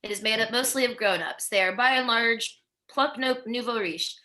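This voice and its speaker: Bright-voiced woman narrating stage directions. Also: fairly high pitch, normal speed. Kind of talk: scripted narration at a virtual table read.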